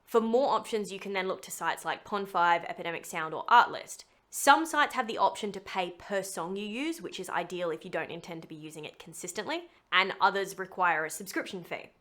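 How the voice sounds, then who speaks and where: A woman's voice: on the low side, a little fast, few pauses, bright, forceful tone. A woman narrating a scripted tutorial in a chatty, playful way with wry asides. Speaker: voice actor giving a tutorial.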